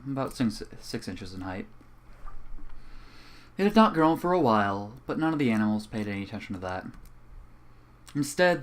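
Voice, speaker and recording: A young man reading a fan story aloud in a calm, even way at a home microphone. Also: lowish voice. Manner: casual and profane in the intro, then calm and even while reading. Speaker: fanfiction reader. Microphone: home computer microphone.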